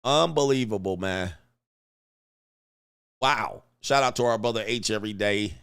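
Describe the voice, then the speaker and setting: A man's voice: lowish voice, unhurried, a bit bright, clean tone. A middle-aged man from Southern California, hosting a casual livestream and reading viewer super chats with laughing, mocking asides.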